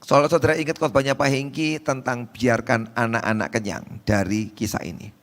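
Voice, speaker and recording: A male pastor with a Javanese accent preaching a sermon, switching between loud cries and quiet asides and acting out voices. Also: medium pitch, fairly even intonation, moderate pace. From Indonesia. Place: church hall. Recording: echoey church hall.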